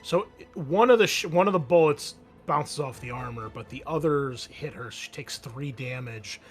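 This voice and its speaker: A man running a tabletop horror game, narrating scenes in a halting, descriptive way as game master. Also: mid-range voice, soft background music.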